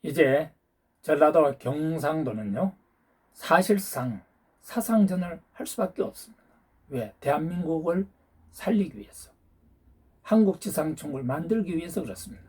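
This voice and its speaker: A man delivers a ranting political monologue to his viewers, scolding them and constantly demanding answers with rhetorical questions. His voice is husky and sits a bit high, leaping up and down with lively, animated pitch. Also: normal speed, long pauses. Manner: peppers talk with challenging rhetorical questions; lecturing, hectoring tone toward listeners. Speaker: YouTube channel host.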